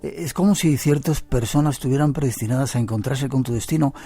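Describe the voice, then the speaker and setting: A man's voice: mid-range voice, brisk, dark tone, slightly rough. A man hosting a radio interview, asking chatty and teasing questions. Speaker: radio show host.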